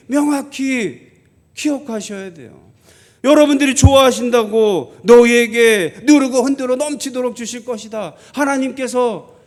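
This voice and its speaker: A male pastor preaching a sermon, asking rhetorical questions and answering them himself, repeating lines for emphasis, at times dropping to a soft plea. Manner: drops to a soft, low voice for pleading.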